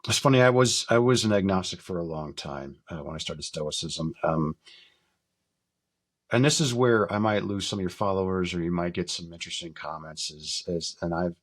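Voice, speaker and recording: A middle-aged American man from northern Minnesota talking reflectively as an interview guest, candid and halting in his delivery. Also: deep voice. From northern Minnesota, United States. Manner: candid, halting, casually profane. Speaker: podcast guest, military veteran and survival instructor.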